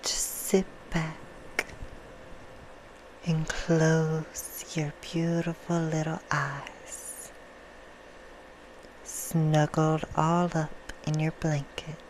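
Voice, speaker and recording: A woman voicing a seductive, courtly vampire hostess for ASMR, soothing and sinister, in a slow, hushed half-whisper. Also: low voice, poor audio. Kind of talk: ASMR roleplay, bedtime storytelling. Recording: clear background noise.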